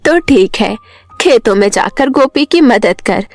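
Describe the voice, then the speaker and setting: A woman voicing an ailing, gentle but chiding village mother in an animated story. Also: a little high, unhurried, no echo, faint music behind. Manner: pleading, chiding.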